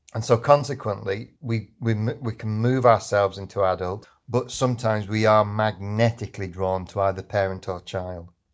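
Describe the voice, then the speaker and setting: A man speaks with an English accent at a fairly low pitch and moderate pace. His intonation is fairly even, with hardly any pauses. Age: 50s. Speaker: trainer, transactional analysis expert. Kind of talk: casual interview. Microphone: poor audio quality.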